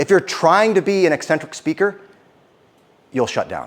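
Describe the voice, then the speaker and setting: Fairly quick in pace, this voice carries an intense, animated tone. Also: man. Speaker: public speaking coach. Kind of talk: workshop talk to small audience. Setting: in front of small live audience. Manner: animated, varied pitch and volume.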